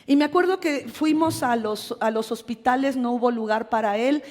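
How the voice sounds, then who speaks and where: Animated woman pastor in an echoing church. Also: on the high side, moderate pace. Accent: Mexican Spanish. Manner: animated storytelling with self-deprecating humor. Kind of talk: sermon with personal testimony. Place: church hall. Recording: long hall reverb in a church.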